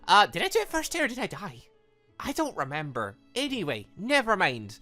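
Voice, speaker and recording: A man hosting a game playthrough, rambling casually and excitably as he thinks aloud and drifts off on tangents. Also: sits high, a little fast, faint music behind. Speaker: host of a game playthrough series. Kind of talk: casual rambling gaming commentary.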